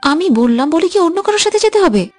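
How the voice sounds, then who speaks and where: A feisty young woman in an audio love story, voiced by a woman. She bickers with playful, sulky needling, her voice sitting high and swinging widely in pitch. Faint music plays underneath. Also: big pitch swings, quick pace, no room sound. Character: teasing, quick-tempered young woman in love.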